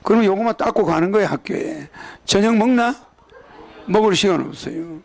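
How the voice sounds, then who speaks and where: An older man with a Gyeongsang accent delivers a rambling sermon. His voice sits high and carries a gravelly rasp. He keeps checking in with his listeners through quick rhetorical questions. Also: a little mellow. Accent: Gyeongsang Korean. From Gyeongsang region, South Korea. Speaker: religious leader.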